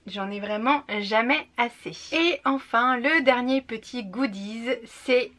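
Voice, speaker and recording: Young woman, native French speaker, casual unboxing vlogger, fairly high voice, chatty and enthusiastic with fillers. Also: slow pace, a bit bright. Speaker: book vlogger.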